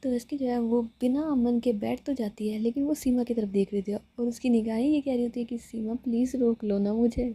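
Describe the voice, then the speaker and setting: A woman's voice: a little high, a little fast, few pauses, warm tone, breathy edge. A woman narrating a romance serial in a conversational storytelling manner.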